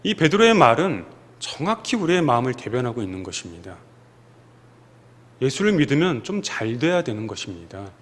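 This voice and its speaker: Man preaching with lively pitch. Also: a little fast. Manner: emphatic, acts out quoted lines. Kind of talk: sermon. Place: church sanctuary. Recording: long church hall reverb.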